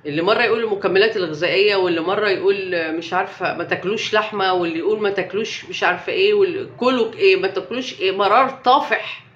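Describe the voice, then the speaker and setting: A woman's voice: mid-range voice, very fast, roomy sound, muffled recording, a little hiss or hum. A young Egyptian woman vlogging live about health, speaking emphatically and defiantly and piling up rhetorical questions. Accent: Egyptian Arabic. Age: young adult. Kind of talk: casual live-stream talk.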